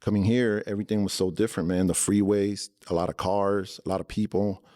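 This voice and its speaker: A man's voice: on the low side, a little fast, no room sound, clean studio sound. A man in his forties from Los Angeles, talking casually as a podcast guest with a loose, restart-filled flow. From Los Angeles, born in El Salvador. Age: 40s. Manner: relaxed, loose, peppers talk with "man", frequent restarts. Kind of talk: casual interview talk.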